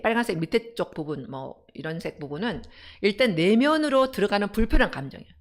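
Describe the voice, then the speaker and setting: A middle-aged woman, a counseling center director, giving an animated parenting lecture and asking her audience rhetorical questions. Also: mid-range voice. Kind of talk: parenting lecture on a live broadcast.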